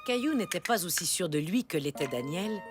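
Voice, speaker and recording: A woman's voice: fairly low pitch, big pitch swings, fairly quick, over music. A woman giving scripted storybook narration for a children's cartoon.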